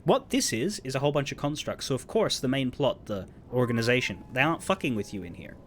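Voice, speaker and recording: A man's voice: medium pitch, very animated, quick pace, slight background noise. A man giving casual, analytical game commentary as a let's player, with some offhand swearing. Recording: game music behind voice.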